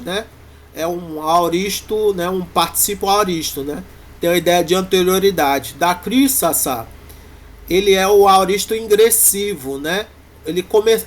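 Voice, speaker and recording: A man with a Brazilian Portuguese accent, teaching a university Greek class in a halting way, full of fillers and restarts. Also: high voice. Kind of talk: classroom lecture.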